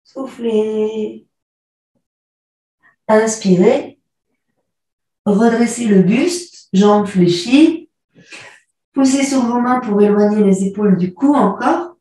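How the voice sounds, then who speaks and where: A woman yoga teacher guiding a class through postures, calmly cueing breath and movement step by step. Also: on the high side, slow, long pauses, distant mic. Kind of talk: guided yoga class instruction. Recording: echoey room, voice from afar.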